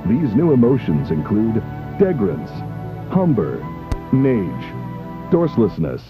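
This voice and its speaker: A man voicing a male announcer in an old television commercial, giving a slick salesman's read of a product pitch. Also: wildly swooping pitch, slow, full character voice. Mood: salesy. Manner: slick salesman's read, listing items one after another. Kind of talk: retro TV commercial voice-over. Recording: dull lo-fi clip over music. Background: music.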